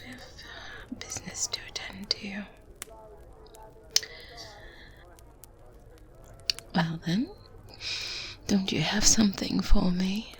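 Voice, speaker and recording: A woman's voice: mid-range voice, natural voice. Woman playing a whispering, secretive witch. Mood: brisk, commanding. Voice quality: soft, breathy whisper. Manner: slow, deliberate, hushed, commanding. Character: good witch, secretive, brisk, faintly condescending. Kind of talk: whispered ASMR roleplay.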